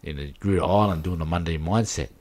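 A man's voice: low voice, brisk, a little mellow. A middle-aged man with an Aboriginal Australian accent, chatting casually in loose slang and often repeating himself. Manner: slangy, repeats himself, says "bro" and "you know". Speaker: interview guest. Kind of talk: casual chat.

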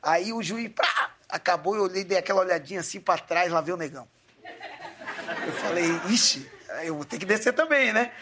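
A man telling lively anecdotes in casual chat as a guest, acting out the lines of the people in his stories. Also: high-pitched, a little fast, a crowd in the background, background noise. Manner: animated anecdotes, acts out quoted lines. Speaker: guest, former footballer.

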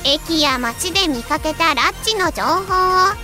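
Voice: extremely high pitch, lively intonation, unhurried. A performer voicing a small cute mascot, reading a scripted announcement in character. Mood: cheerful. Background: loud children's-style music.

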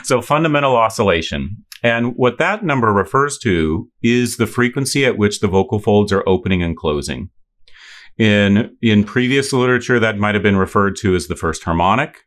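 A man's voice: on the low side, animated, normal speed, fairly bright tone. A middle-aged man explaining voice science in an interview, thoughtful, with many fillers and restarts. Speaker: voice science expert.

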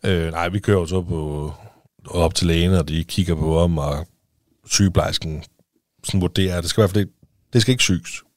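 Man, Danish accent, low voice, rambling casual chat, dry close recording. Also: dry recording. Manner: rambling, many restarts and fillers. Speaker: podcast guest, a father.

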